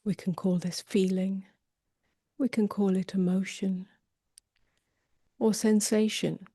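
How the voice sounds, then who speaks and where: A woman meditation teacher leading a guided meditation softly and gently, often drifting toward a whisper, with long pauses. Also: medium pitch, little pitch movement, no echo, studio quality. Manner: soft, breathy delivery drifting toward a whisper.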